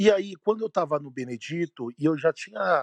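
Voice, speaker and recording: Over a quiet background, a man speaks with a fairly high pitch. His pace is moderate, and the sound is dry and close with no echo. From Maranhão, Brazil (São Luís). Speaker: chef and cooking YouTuber. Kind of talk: casual podcast interview. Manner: animated.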